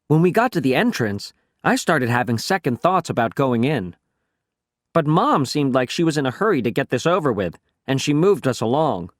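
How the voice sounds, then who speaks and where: A man reading a first-person children's story aloud as an audiobook narrator, telling it in an expressive, boyish voice. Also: mid-range voice, no echo, studio quality.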